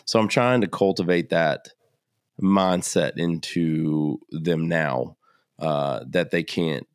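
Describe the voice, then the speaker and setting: A man in his thirties co-hosting a podcast, talking casually and getting animated when he makes a point. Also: low-pitched, slow pace, clean tone, no echo, clean studio sound. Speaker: podcast co-host.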